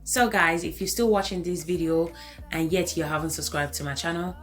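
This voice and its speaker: A woman's voice: on the low side, steady tone, a little fast, fairly bright tone, faint music behind. A woman in her thirties with an African accent, giving an enthusiastic hair care tutorial voice-over and repeating phrases for emphasis.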